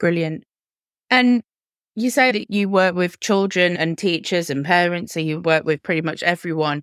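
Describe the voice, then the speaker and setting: A woman with an ordinary speaking voice talks at a moderate pace, her pitch fairly low with ordinary variation. The recording is very clean, dry and close, with a silent background and no echo. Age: 30s. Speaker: podcast host. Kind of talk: interview.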